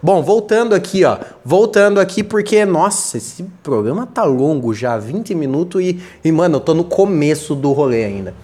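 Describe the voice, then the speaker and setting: A man's voice: on the high side, animated, normal speed, hardly any pauses, dark tone, breathy edge. A Brazilian man hosts a loose, comedic podcast monologue, wandering from point to point. He trips over his words and repeats them as he goes, and keeps a joking tone throughout. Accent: Brazilian Portuguese. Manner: rambling, stumbles and repeats words, jokey. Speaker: podcast host.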